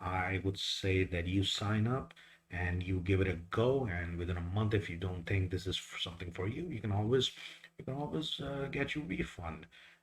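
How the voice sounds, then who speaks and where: With a very deep, low pitch and a somewhat breathy sound, a man speaks at a moderate pace with lively intonation. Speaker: affiliate marketing YouTuber. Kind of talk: video review. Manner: halting, many fillers; casual.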